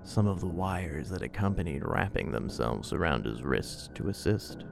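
A man acting as a grim hardboiled investigator with a very low, creaky voice. He tells a bizarre murder mystery in a deliberate, dramatic style, like scripted noir radio drama, with music clearly playing behind him. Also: expressive, exaggerated voice. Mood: grim, suspenseful.

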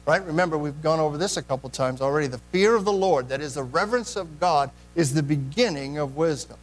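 A man's voice: fairly high pitch, quick pace, low-quality recording. A man preaching a sermon in a church, earnest, putting direct questions to the congregation. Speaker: pastor.

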